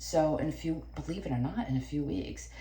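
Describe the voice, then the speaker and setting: Audible room echo surrounds this woman's voice. She talks at a moderate pace over noticeable background noise. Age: 50s. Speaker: vlogger. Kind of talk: casual chat. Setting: indoors, room with door shut. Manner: rambling, many tangents.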